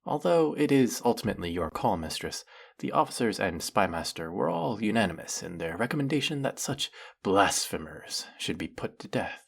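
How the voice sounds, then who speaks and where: A man playing a flirty, fanatically devoted demon familiar in a dramatic audio roleplay, with fawning, formal diction and a breathy, husky voice. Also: lowish voice, very animated, moderate pace, heavily acted. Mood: dutiful, menacing. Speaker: voice actor. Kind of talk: dramatic roleplay monologue spoken to the listener.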